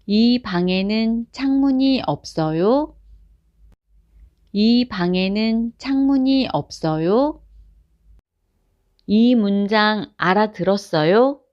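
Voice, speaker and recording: Woman, very slow and careful phrase reading, dry and slightly muffled sound, learner drills. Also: medium pitch, animated, no room sound. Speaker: Korean phrase reader. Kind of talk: slow repeated example sentences for learners.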